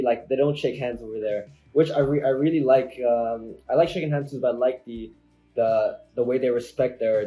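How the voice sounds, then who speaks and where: A man in his twenties talking as an interview guest, soft-spoken and reflective, often restarting his sentences. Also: medium pitch, poor audio. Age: 20s. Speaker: podcast guest, online entrepreneur. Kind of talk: casual interview talk.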